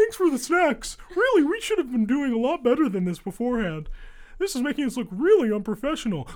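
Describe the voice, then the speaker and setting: A put-on character voice moves fairly quickly with very wide pitch swings. Light background noise sits underneath. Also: female-sounding voice, high pitch for a woman. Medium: actual play. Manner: meek, sheepish.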